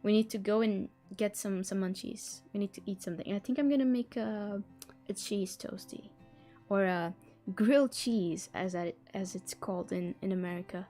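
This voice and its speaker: Mellow-voiced non-native English-speaking woman streamer. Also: mid-range voice, normal speed, soft background music. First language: not English. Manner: chatty, giggly, stumbles over words while reading. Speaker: livestream host. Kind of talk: casual livestream chat, reading a book blurb aloud.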